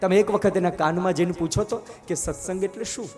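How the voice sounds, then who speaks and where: A man playing Vishnu, a calm instructing god. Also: sits high, a little fast, natural voice. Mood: reassuring. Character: calm reassuring male supreme god. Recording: long hall echo with music.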